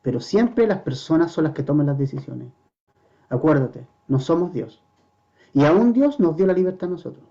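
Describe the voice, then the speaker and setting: A man preaching a verse-by-verse sermon as pastor, earnestly asking the congregation rhetorical questions and slowing down to stress scripture quotes. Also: fairly high pitch, animated, gravelly, dark tone, lo-fi sound.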